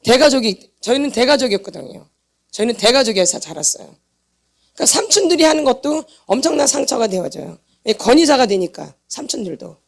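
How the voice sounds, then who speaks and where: A woman with a high voice preaches at a church seminar. She repeats each point with force and throws short questions back to the congregation, then answers them herself. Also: big pitch swings, brisk, vocal fry. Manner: emphatic, repeats points and quizzes the audience for answers. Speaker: pastor's wife teaching a healing seminar. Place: church meeting hall.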